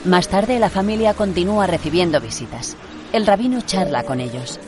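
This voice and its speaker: A woman with a Castilian Spanish accent reading audio description in a measured, even narration. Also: lowish voice, noisy background. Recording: narration over loud film music.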